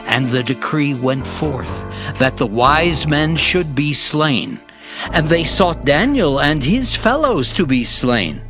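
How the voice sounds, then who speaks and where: Male narrator for scripture audio drama: solemn, unhurried, fairly high-set voice, music clearly underneath. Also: sing-song. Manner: solemn, deliberate storytelling.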